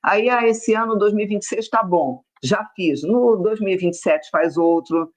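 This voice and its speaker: A woman with a Brazilian accent, teaching an online self-help class, speaking emphatically and slowly repeating phrases in a soft chant. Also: mid-range voice. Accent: Brazilian Portuguese. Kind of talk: online class with sales pitch and guided mantra exercise.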